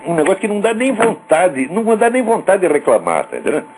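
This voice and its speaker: A man's voice: sits high, wildly swooping pitch, fast, a little hiss or hum, low-quality recording. Brazilian guy ranting on his show, cursing, sarcastic, voice jumping all over the place. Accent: Brazilian Portuguese. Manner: profane, scornful, sarcastic, shouts insults. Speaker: radio show host. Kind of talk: angry ranting monologue.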